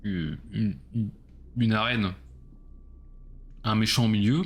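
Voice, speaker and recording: A man's voice: fairly low pitch, fairly even intonation, takes it slowly. A man casually commenting on his own gameplay during a live stream, chatty and self-mocking as he talks to his chat.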